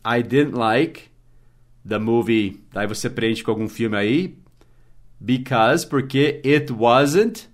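Brief: male podcast teacher, patient drills, spells words out, mid pitch. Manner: slow, careful drilling of pronunciation, spelling words out. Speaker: English teacher, podcast host. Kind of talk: mini-podcast English lesson.

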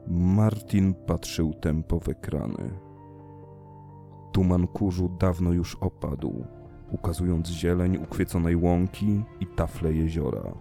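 A man narrating an audiobook in a measured, dramatic storytelling manner. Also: sits low, vocal fry, mellow, soft background music.

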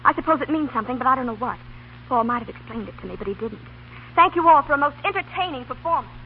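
A woman's voice: sits high, animated, fast talker. An actress playing a proud, easily hurt young woman with ironic politeness in a 1930s radio drama. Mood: wounded dignity. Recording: tinny, hissy 1930s radio broadcast.

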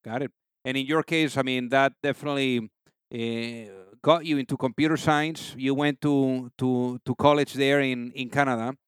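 A man's voice: medium pitch, fairly even intonation, normal speed, clear, resonant tone, no echo, clean studio sound. A man hosting an interview podcast, introducing his guest with enthusiasm and asking long, winding questions. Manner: enthusiastic, rambling, filled with "you know". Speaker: podcast host.

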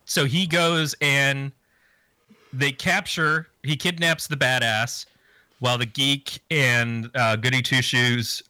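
Bright-voiced man recapping a movie. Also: mid-range voice, no room sound. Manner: rambling, crude, joking plot recap. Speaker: podcast co-host. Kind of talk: casual movie review chat.

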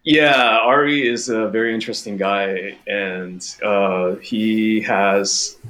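A man's voice: lowish voice, steady tone, slow, a bit bright. A man in his thirties from Taiwan, a podcast guest talking in a casual, thoughtful way with small restarts. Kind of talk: casual interview chat.

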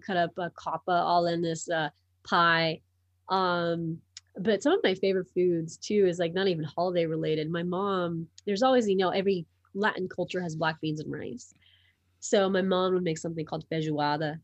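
A woman's voice: fairly low pitch, no room sound, muffled recording. A woman whose first language is Portuguese, a sports publisher talking as a podcast guest, chatty and full of ums and restarts. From United States (Miami). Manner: talkative, many ums and restarts. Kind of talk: casual interview chat.

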